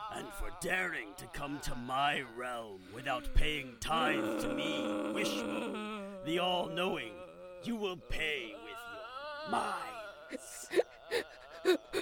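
A man uses a put-on, high-pitched character voice at a very slow pace with long, frequent pauses. Clear background noise is present. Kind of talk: comic overacting. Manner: pompous, menacing, grandiose.

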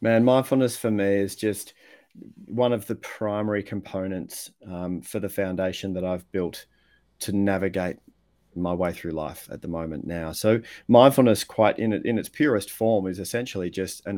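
A man with an Australian accent speaks at a moderate pace on a very clean recording with a silent background. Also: fairly low pitch for a man, ordinary pitch variation. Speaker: guest, mindfulness and men's work speaker. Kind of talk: casual interview conversation. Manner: passionate, excitable.

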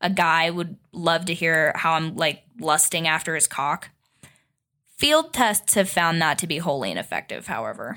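In an American accent, a woman with a bright, sharp tone and fairly low pitch speaks at a fairly slow pace with ordinary pitch variation, on a very clean recording with a silent background. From US, Idaho. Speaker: podcast host. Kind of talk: comedic storytelling monologue.

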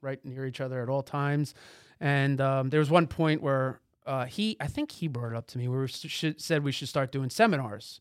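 A man with a plain, everyday voice and an American accent, fairly high in pitch with ordinary pitch variation, at a fairly quick pace in a very clean recording with a silent background. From US tri-state area (New York/New Jersey). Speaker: private equity investor relations director. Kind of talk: podcast interview.

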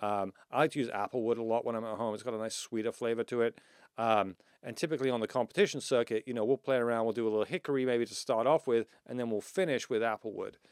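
Very fast male speech in a southern English accent, medium in pitch, dry and close with no echo, on a very clean recording with a silent background. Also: ordinary pitch variation. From southern England. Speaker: executive chef and pitmaster. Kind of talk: casual interview. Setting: bookstore.

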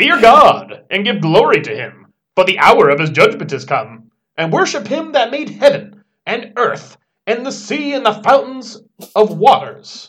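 A man shouts in a shrill, extremely high, put-on character voice. His raised, projected delivery keeps a moderate pace. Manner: screaming, proclaiming.

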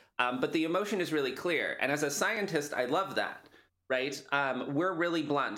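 A man's bright, sharp voice at a moderate pace, with ordinary pitch variation and audible room echo. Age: 30s. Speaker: behavioral scientist. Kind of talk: casual chat.

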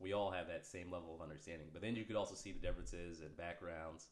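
This man's voice sits at a very deep, low pitch. His intonation stays fairly even. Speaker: podcast host. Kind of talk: casual interview chat.

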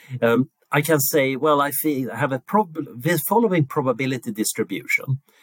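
A man talks in a fairly high pitch, somewhat breathy. The sound is dry and close, with no echo. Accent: Swedish. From Sweden. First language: Swedish. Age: 50s. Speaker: futurist researcher. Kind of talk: interview.

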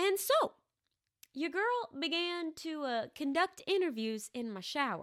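Speaking at a fairly slow pace in a Southern US accent, a woman with an extremely high voice delivers an animated tone full of very wide pitch swings. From Arkansas. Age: 20s. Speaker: podcast host. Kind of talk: solo testimony.

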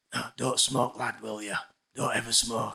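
A man does a raspy, put-on character voice, pitched in the middle of his range and delivered at a moderate speed. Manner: warning, urgent.

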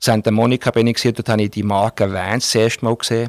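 A man's medium-pitched, monotone, flat delivery, dry and close with no echo, on a very clean recording with a silent background. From Switzerland, Biel area. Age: 50s. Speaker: football club president. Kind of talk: radio interview. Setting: radio studio. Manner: hesitant, many fillers.

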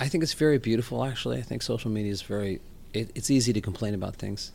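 A man talks with a General American accent. His intonation is lively. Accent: general American, non-regional. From Houston, Texas. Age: 40s. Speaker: songwriter and artist. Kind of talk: casual interview chat.

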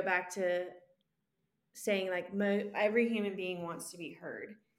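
With a Southern US accent, a woman talks at a fairly slow pace and medium pitch. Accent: Southern US, noticeable. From Columbia, South Carolina. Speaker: business founder, contractor.

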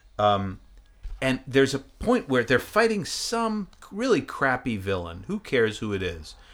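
In an American accent, a man talks with very wide pitch swings. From US, Maine. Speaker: podcast co-host, writer and actor. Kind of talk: casual chat.

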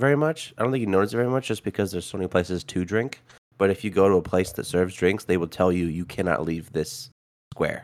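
On a very clean recording with a silent background, a man with a fairly low pitch talks at a very fast pace with ordinary pitch variation. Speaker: podcast co-host. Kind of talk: casual chat. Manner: soft-spoken.

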